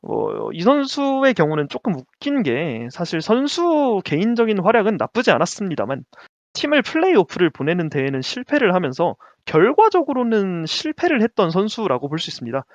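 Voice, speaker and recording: Lively higher-voiced man chatting basketball. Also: brisk, no echo, highs cut off. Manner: lively, laughs often, stumbles over names. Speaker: podcast co-host. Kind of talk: casual basketball chat.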